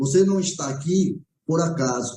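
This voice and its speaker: The delivery is fairly slow, and the pitch rises and falls in an ordinary way. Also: man. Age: 60s. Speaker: health lecturer. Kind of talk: lecture. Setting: stage with audience. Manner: halting, frequent filler repetitions.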